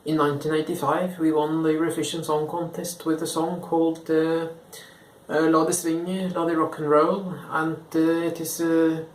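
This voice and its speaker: A man's voice: on the high side, level tone, normal speed, natural voice. A young man imitating a proud Norwegian-accented man who hesitates often with "uh". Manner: hesitant, lots of "uh". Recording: echoey room.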